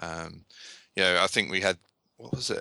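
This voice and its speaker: A man's bright, sharp voice with an Australian accent, in a dry, close sound with no echo. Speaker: computer enthusiast, former demo scene musician. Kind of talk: casual interview. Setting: remote call.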